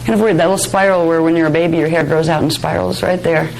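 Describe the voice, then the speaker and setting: Woman, slightly low voice, hoarse and raspy, informal teaching, chatty, light background noise. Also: steady tone, fast talker, darkish tone, low-quality recording. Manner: conversational, chatty, self-deprecating asides. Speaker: workshop instructor. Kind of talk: informal workshop lecture with demonstration. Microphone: worn or held microphone close to the face.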